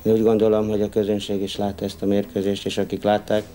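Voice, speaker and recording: Hungarian male interviewee, mellow low voice, formal and measured, faint music. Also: monotone. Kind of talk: measured post-match interview.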